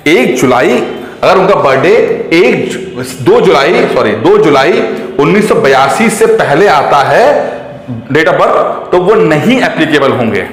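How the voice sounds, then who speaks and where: A man teaching exam aspirants, chatty and repetitive, mixing English terms into his talk. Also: fairly high pitch. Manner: chatty, repeats points, mixes English terms into Hindi. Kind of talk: explaining exam rules to students. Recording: echoey room with long reverb.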